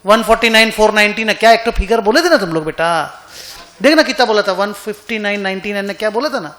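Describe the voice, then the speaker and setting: A male accounting teacher lectures in a relaxed, conversational way and keeps checking whether his students follow. His voice sits high and comes across bright and forceful. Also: fast talker. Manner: conversational, asks students questions often. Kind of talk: classroom lecture. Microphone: online class recording.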